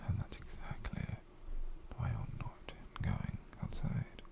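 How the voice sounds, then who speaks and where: Male actor as British yandere lover, ASMR roleplay: slow half-whisper, coaxing, theatrical, clingy and quietly menacing. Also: close to an everyday voice. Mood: teasing, possessive. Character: possessive, doting, menacingly sweet yandere boyfriend.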